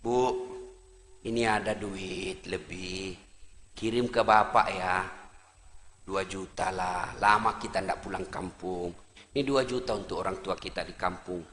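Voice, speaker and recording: A man preaching who voices a timid husband quietly pleading with his wife, slow and hushed. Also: deep voice, fairly even intonation, voice pushed down. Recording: echoey hall, faint noise.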